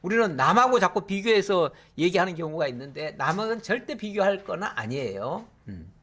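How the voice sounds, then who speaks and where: A middle-aged male pastor teaching verse by verse through the Bible in a conversational way, often pausing with short fillers and acting out quotes from the text. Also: high voice, big pitch swings, a bit bright.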